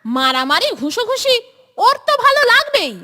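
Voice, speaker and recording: A woman voicing a small, reluctant, timid schoolboy in a children's cartoon, speaking in a plaintive, expressive way. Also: very high-pitched, moderate pace, over music. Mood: grumbling. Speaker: cartoon voice actor. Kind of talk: Bengali children's cartoon dialogue.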